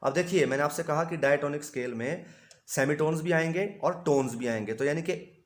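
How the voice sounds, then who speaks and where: A man's voice: on the high side, a little fast. A man teaching music theory as a patient teacher who poses questions to his students and answers them himself, playing notes on an instrument between phrases. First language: Hindi. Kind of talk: explanatory music lesson.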